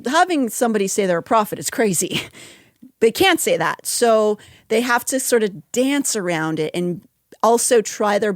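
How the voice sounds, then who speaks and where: Woman podcast co-host, wry and conversational, mid pitch, dead-dry close mic. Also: no room sound. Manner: wry, chatty, frequent laughs and asides.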